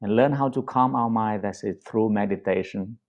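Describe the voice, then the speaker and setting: A man with a Vietnamese accent giving a Buddhist dharma talk, speaking gently with many pauses and fillers. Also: fairly low pitch, muffled recording. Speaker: Buddhist teacher.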